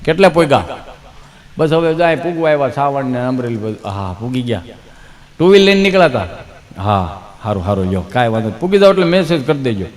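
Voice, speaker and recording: A man telling folk comedy stories on stage, acting out the dialogue with sudden jumps in voice. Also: fast talker. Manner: animated storyteller, acts out dialogue with sudden pitch jumps. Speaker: stand-up comedian. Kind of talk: Gujarati folk comedy storytelling. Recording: stage mic with long hall reverb.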